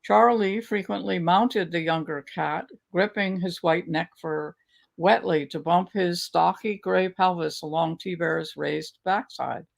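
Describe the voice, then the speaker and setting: An older woman reading her own memoir aloud over a video call from a home study, with a measured, unhurried storytelling manner. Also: lowish voice, creaky. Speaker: author reading her work. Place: home study lined with bookshelves. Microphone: video call webcam.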